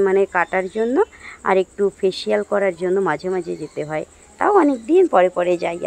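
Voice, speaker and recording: A hoarse woman chatting casually to her viewers as friends while vlogging her day at home. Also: mid-range voice, darkish tone. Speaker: daily-life vlogger. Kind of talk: casual chat to camera. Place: at home, sitting under a ceiling fan.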